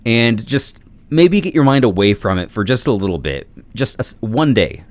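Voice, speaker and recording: A man's voice: medium pitch, big pitch swings, moderate pace, no room sound. A man chatting casually as a podcast guest, talkative and informal, rambling through his thoughts. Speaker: podcast guest, video creator.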